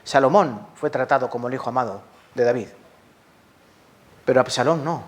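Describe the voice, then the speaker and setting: A man's voice: medium pitch, normal speed. A man with a Spanish accent from Spain preaching a sermon as a pastor, passionate, asking the congregation questions and answering them himself.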